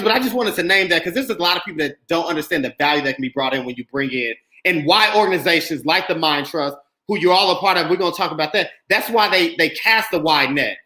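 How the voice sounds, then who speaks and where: Male podcast host, outspoken and emphatic, bright forceful tone. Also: fairly high pitch, echoey room. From Indianapolis, USA. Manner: emphatic, animated, speaks his mind. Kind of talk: casual podcast discussion.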